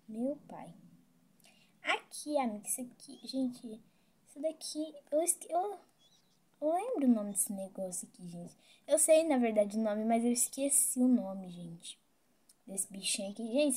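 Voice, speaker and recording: A high-pitched woman with a Brazilian Portuguese accent narrates a game role-play. She keeps turning to her viewers in a chatty way, and her voice is soft and mellow rather than bright. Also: husky. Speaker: game vlogger.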